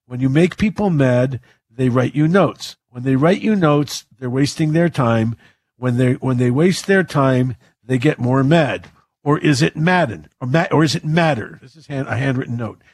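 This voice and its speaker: With a Canadian accent, a man speaks in a normal speaking voice at medium pitch and a moderate pace, with ordinary pitch variation, big swings in loudness and a dry, close sound with no echo. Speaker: radio host. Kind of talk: live radio talk show hosting and interviewing. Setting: radio studio. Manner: conversational, joking, with fillers.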